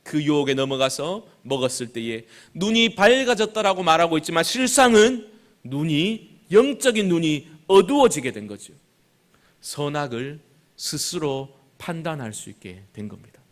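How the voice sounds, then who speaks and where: A male pastor preaching a Sunday sermon, swinging between loud and soft, slowing on key words, and asking the congregation questions. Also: on the high side, sing-song. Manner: acts out Bible quotes in changed voices; asks the congregation rhetorical questions.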